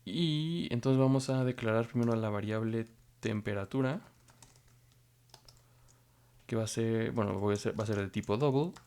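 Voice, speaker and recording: A man's voice: mid-range voice, moderate pace, long pauses, a little mellow, smooth. A man teaching programming, walking through code step by step and thinking aloud as he goes. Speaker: programming instructor. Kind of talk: screen-recorded coding tutorial.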